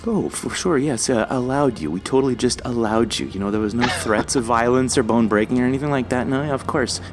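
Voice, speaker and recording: A man's voice: mid-range voice, fairly quick, faint music behind. A man hosting a podcast interview in a casual, joking, enthusiastic way, with some easy swearing. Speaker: podcast host interviewing a guest.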